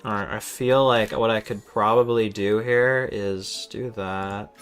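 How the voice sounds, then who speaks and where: A man's voice: lowish voice, fairly even intonation, a little slow, fairly bright tone. A man streaming a game with casual, exasperated, sweary running commentary, often stammering over repeated words. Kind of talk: casual live gameplay commentary. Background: game music.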